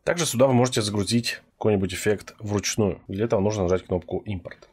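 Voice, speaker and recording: A man narrating a scripted software tutorial as presenter, with a slightly husky voice. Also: fairly low pitch, fast talker.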